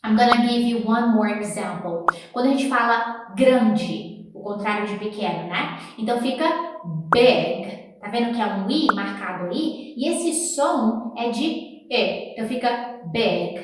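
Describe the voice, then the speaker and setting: A woman teaching English pronunciation, explaining and then slowly repeating words for the viewer to copy. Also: on the high side, noisy background. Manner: encouraging, talks straight to the viewer. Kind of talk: pronunciation lesson with drills. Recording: echoey room, voice from a distance.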